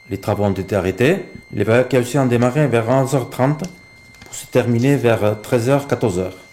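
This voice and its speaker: A man's medium-pitched voice at a fairly quick pace, with ordinary pitch variation, big swings in loudness and noticeable background noise. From French Basque Country. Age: 60s. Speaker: retired farmer. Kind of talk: interview testimony. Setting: studio. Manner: halting.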